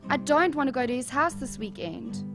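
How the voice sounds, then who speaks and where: A woman's voice: high-pitched, lively intonation, a little fast. A woman playing a troubled, hesitant young boy in an audio drama, with guitar music behind. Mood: anxious, reluctant.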